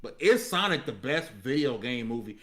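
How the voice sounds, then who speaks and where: A man with a bright, forceful voice hosts a gaming stream. His pitch moves in a lively way, and he talks casually and emphatically, with plenty of slang. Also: normal speed. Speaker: host of a gaming live stream.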